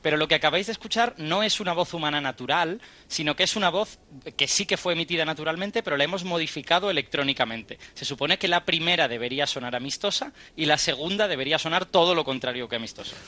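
A man's voice: on the high side, quick pace, pushed and bright. A man on a radio show, explaining a study and quizzing the hosts. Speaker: science guest.

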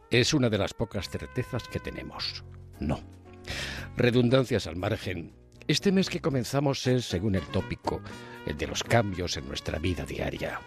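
A man reads a scripted radio column with dry, ironic humor. His voice is very deep yet swings widely in pitch, with faint music underneath. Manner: ironic, wry, dryly humorous. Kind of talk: scripted opinion column read on air.

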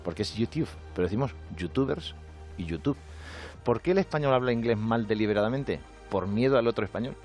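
A man from Spain with a Spanish accent, delivering an animated, jokey comic monologue on a radio show. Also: fairly low pitch, brisk, soft background music. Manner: animated, jokey, acts out quoted voices. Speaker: comedian with a radio segment. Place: radio studio.

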